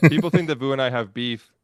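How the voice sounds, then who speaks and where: A man's voice: mid-range voice, moderate pace, clear, resonant tone, no echo. A man chatting casually on a live stream over a video call, telling a rambling story with many restarts. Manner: rambling, restarts and self-corrections.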